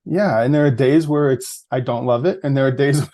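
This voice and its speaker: Man, middle-aged, central Massachusetts accent, mellow dark tone, reflective, easygoing, casual interview guest. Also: mid-range voice, normal speed. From Massachusetts, USA. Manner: reflective, easygoing, with frequent fillers and soft laughs. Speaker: podcast guest, public health researcher.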